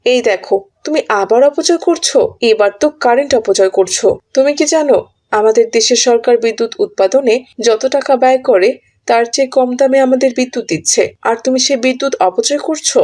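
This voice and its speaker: A woman acts a strict mother in a children's cartoon. Her voice sits fairly high, and she speaks as a firm, easily exasperated parent. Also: fairly quick, warm tone, natural voice. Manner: scolding, complaining. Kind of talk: children's moral cartoon voice acting.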